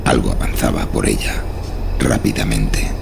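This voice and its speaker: A man narrating a scripted horror story in a measured, suspenseful, dramatic way. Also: a bass voice, fairly even intonation, gravelly, background noise.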